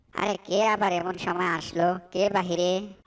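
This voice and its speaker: In a cartoonish character voice that sounds female, the speaker holds a medium pitch and a moderate pace with flat, monotone intonation. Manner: nervous, hesitant.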